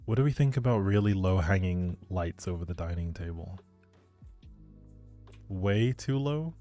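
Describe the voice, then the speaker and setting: Man, dark relaxed timbre, casual livestream gaming chatter, musing aloud, addressing viewers, faint music behind. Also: deep voice, unhurried. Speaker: game streamer. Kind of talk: casual livestream chat while playing a life-simulation game.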